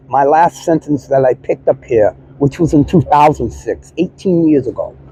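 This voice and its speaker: A man's unremarkable speaking voice with fairly even intonation, dry and close with no echo. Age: 60s. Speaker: homeless man, former prisoner. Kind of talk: interview, life story.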